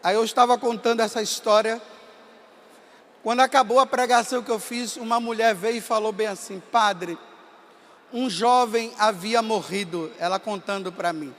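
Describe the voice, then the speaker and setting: A Brazilian priest in his fifties with a Bahia accent, telling stories in a sermon and rising to impassioned shouts. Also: sits high, moderate pace. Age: 50s. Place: large hall at a camp gathering. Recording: long reverb of a large hall.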